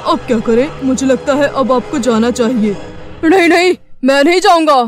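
A man voicing excitable, bickering villagers in a horror cartoon, with dramatic, emphatic delivery. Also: very high voice, normal speed, faint music behind. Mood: panicked.

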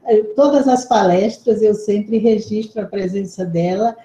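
A woman closing an online lecture as its organizer, talking slowly and haltingly with a very mellow, dark tone. Her voice sits a little high. The video-call audio sounds roomy and echoey. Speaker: event organizer.

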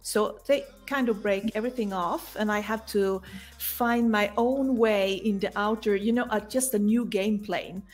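A woman's voice: medium pitch, steady tone, a little slow, soft background music. A middle-aged woman from Sweden with a Swedish accent, telling her story conversationally as an interview guest on a video call. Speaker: guest, coach. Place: home room indoors.

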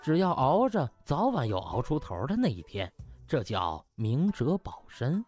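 Male audiobook narrator, comic storytelling, highly animated delivery over music. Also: a little slow, breathy edge. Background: background music.

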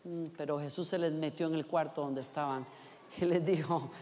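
A man's voice: a little high, steady tone, moderate pace, darkish tone. A man preaching a sermon in an impassioned, emphatic way, with a lot of repetition and acted-out voices of doubters. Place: large church auditorium. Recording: reverberant hall.

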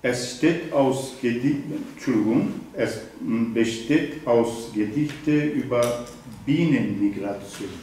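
A slow, halting older man, a poet from Eastern Anatolia whose first language is Zazaki, opens a literary evening in a wine bar event room with a slow introduction before his prepared reading, frequently pausing on ums and correcting himself. His voice is warm and medium in pitch. Captured from far off by a camera, the room sounds echoey, with slight background noise.

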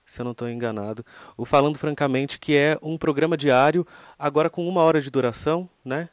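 A man's voice: fairly high pitch, fairly quick, dry recording, clean studio sound. A Brazilian man presenting and interviewing in a conversational radio style, rambling a little and asking for agreement.

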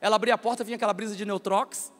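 Loud, joking man preaching. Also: high voice, steady tone, racing. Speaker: pastor. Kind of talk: sermon. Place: church sanctuary. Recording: reverberant church hall with faint music.

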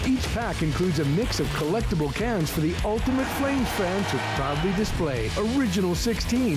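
A man reading a scripted beer commercial in an upbeat announcer style. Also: high voice. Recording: loud music under the read.

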